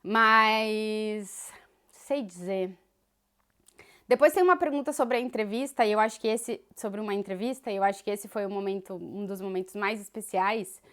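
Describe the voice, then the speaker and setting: A woman's voice: medium pitch, normal speed, a bit bright. A woman in her thirties with a Gaúcho Brazilian accent, a sports journalist chatting casually as she answers viewer questions, dotting her talk with fillers. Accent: Gaúcho Brazilian Portuguese. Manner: chatty and thoughtful, many fillers like "né" and "assim". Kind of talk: casual Q&A vlog.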